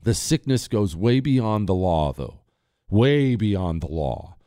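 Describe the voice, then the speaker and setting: A man's voice: lowish voice, animated, takes it slowly, dark tone, dry recording, studio quality. A man hosting a talk radio show, delivering a blunt, emphatic opinion monologue while nearly losing his voice and sucking a cough drop.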